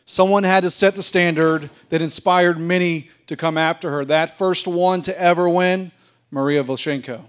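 Man, 30s, gala emcee, higher pitch, polished announcing. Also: fairly even intonation, moderate pace, a little hiss or hum. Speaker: event host. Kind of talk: formal award introduction. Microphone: handheld mic.

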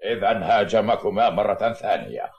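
A man's voice: on the low side, moderate pace, lo-fi sound, a loud crowd, natural voice. A man playing a stern, commanding middle-aged village commissioner in a dubbed cartoon. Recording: echoey, distant-sounding audio.

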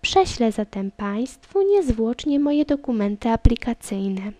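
Woman, slow and careful, mellow tone, dry close sound, reads lines then repeats them. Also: fairly high pitch, very animated, dry recording. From Poland. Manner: reads each line in German, then in Polish, then repeats the German slowly. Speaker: German teacher. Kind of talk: reading a language lesson dialogue.

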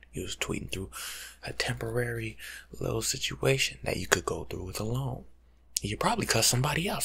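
A young American man doing a casual, slangy ASMR life coach roleplay in a hushed, breathy half-whisper, close to the mic. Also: mid-range voice. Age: young adult. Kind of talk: ASMR roleplay monologue, softly spoken and whispered. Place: small room at home, indoors.

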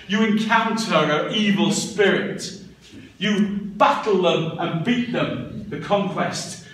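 A man in his fifties giving a live talk as a storyteller and teacher trainer, with an animated, theatrical, emphatic delivery. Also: on the high side. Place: medium-sized classroom, indoors. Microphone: distant camera microphone. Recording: echoey room, far microphone, background noise.

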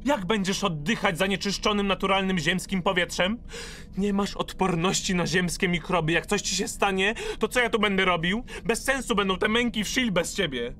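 An actor playing a fretful, sarcastic musician-archivist in a radio drama, exclaiming and ironic. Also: male voice, sits high, moderate pace, sharp tone. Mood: frantic. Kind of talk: Polish radio drama acting.

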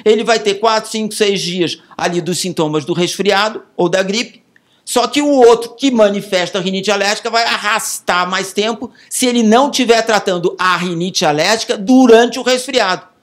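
A man with a Brazilian Portuguese accent, a pulmonologist answering interview questions, explaining slowly with vivid everyday examples. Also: high voice, fairly bright tone.

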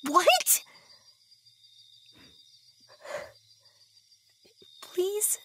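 A woman's voice: very high voice, sing-song, very slow, pushed and bright, full character voice. A woman playing a defiant, foul-mouthed runaway in a naturalistic audio drama, blunt and casual. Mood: pleading, subdued.

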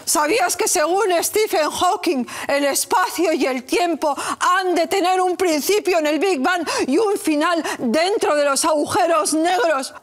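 A preachy know-it-all princess. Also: female voice, unhurried, few pauses. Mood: lecturing. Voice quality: high, preachy and pedantic. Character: prim know-it-all princess, suddenly intellectual. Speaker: satirical sketch actress. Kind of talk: sketch comedy acting. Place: studio set of a palace room.

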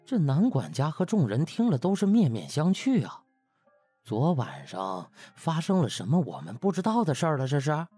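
Animated, husky male storyteller. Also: a little high, normal speed, no echo. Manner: dramatic storyteller. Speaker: narrator. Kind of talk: scripted comic audiobook narration. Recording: music bed behind the voice.

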